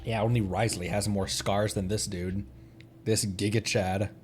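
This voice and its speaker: A man's voice: fairly low pitch, level tone, unhurried, darkish tone, faint music behind. A man giving casual, joking commentary on a game stream with exaggerated delivery.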